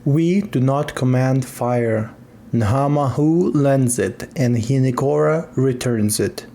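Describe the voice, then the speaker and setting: Slow, stern tribal lorekeeper. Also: male voice, medium pitch, creaky, dark tone, a little hiss or hum. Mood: stern, solemn. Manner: grave, deliberate. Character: stern, solemn tribal keeper of harsh lore. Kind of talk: fantasy game lore narration.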